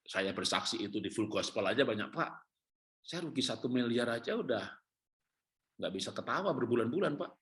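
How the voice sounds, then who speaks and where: A middle-aged man preaching a sermon as a pastor, telling his own story with humor, then sinking into quiet, heavy stretches. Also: mid-range voice. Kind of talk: sermon with personal testimony.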